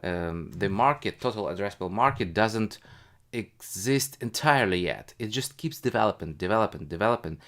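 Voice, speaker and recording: A man with a fairly low voice talks casually as the host of a live stream. He thinks aloud in a halting way, as a retail investor giving his own commentary. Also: a bit bright.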